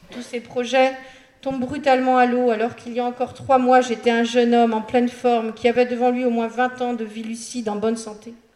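Over noticeable background noise, a woman's high voice runs at a fairly quick pace in monotone, flat intonation with big swings in loudness. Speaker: widow. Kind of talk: reading aloud a letter.

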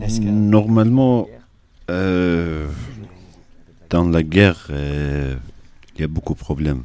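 A man with a Kurdish accent and a very deep, low pitch, at a very slow pace with long, frequent pauses and lively intonation. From Iranian Kurdistan. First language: Kurdish (speaking French). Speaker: percussionist. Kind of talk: interview.

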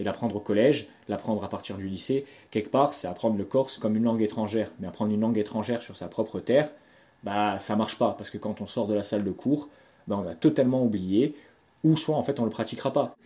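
A man's very fast speech with a dark, mellow tone. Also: fairly low pitch for a man, ordinary pitch variation. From Corsica, Borgo. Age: 20s. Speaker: student. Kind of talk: testimony.

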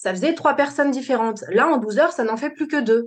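A woman speaks at a very fast pace. Noticeable background noise runs behind her. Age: 30s. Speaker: nurse. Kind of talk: interview. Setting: video call.

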